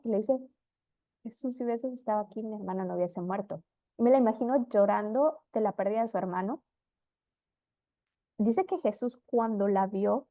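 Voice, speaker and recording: Woman Bible teacher, fairly high voice, earnest storytelling, dull lo-fi sound. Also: no echo. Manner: earnest storytelling, acts out quoted figures.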